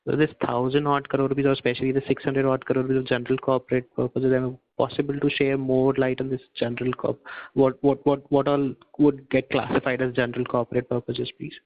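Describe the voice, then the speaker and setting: A man's voice: medium pitch, little pitch movement, fast talker. A man, an analyst politely asking questions on an earnings call, hedging often with "I mean", over a tinny phone line.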